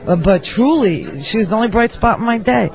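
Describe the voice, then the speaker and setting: A radio talk show host talking casually and rambling, with many restarts. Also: male voice, high-pitched, vocal fry. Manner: quick, animated, rambling with restarts. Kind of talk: casual phone conversation at a convention. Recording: dull lo-fi radio audio.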